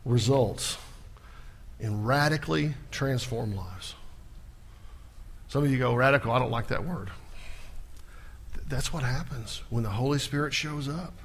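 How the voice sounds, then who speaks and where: A pastor preaching a sermon in a church, building to loud emphatic peaks and then dropping into a quiet prayer. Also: male voice, medium pitch, gravelly, slight background noise. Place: church sanctuary.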